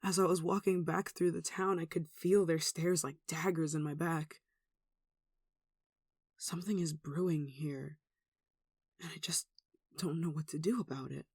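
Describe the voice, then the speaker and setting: A performer with a mid-pitched voice playing an anxious, devout, caring villager in an earnest, hesitant ASMR roleplay. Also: steady tone, measured pace, long pauses, slightly rough, no echo, studio quality. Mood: uneasy, tender. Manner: earnest, hesitant, soft sighing delivery. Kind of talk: ASMR roleplay audio drama.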